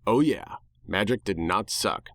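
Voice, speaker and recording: Guy reading a story out loud, sardonic, expressive, really dry close recording. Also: fairly low pitch, unhurried, no room sound. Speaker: fan fiction narrator. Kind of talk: dramatic first-person story narration.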